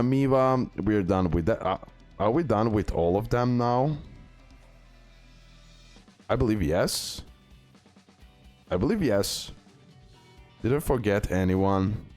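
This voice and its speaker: Low-voiced man giving game commentary. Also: darkish tone. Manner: repeats himself, checks in with "okay" and "guys". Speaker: gaming video host. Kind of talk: casual unscripted game tier-list commentary. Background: music.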